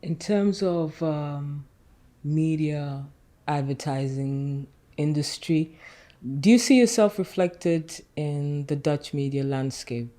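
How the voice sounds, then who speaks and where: Low, mellow woman interviewer. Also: slow pace. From England. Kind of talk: interview questions.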